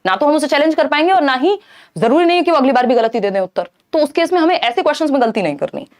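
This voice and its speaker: A fairly high-pitched woman teaches a live online class for a teaching exam. She explains each answer in a lively way, mixing in English terms, and keeps checking in with her viewers. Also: racing. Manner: mixes Hindi with English terms.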